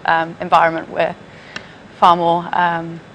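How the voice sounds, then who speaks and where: A woman's voice: fairly low pitch, completely flat delivery, a little slow, lo-fi sound, slight background noise. A woman in her twenties chatting with a quiz host, laughing and searching for words. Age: 20s. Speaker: quiz team captain. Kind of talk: casual studio banter. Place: TV studio.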